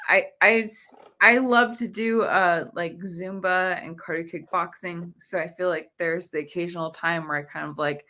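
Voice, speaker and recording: A woman's voice: on the low side, steady tone, normal speed, hardly any pauses, bright, forceful tone. A woman in her thirties chatting on a podcast, laughing often as she talks. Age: 30s. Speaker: podcast guest. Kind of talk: casual chat.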